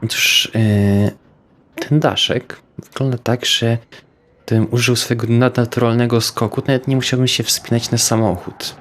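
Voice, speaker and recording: A man's voice: mid-range voice, fairly even intonation, moderate pace, a bit bright. A man playing a tabletop game, asking hesitant questions with fillers. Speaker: player. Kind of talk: casual tabletop play.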